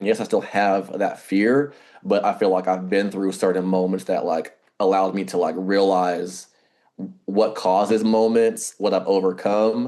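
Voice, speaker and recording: Here a man with an American accent speaks at a moderate pace in a dark, mellow tone. His intonation is fairly even. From US West Coast, Portland, Oregon. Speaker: marketing manager. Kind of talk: casual chat.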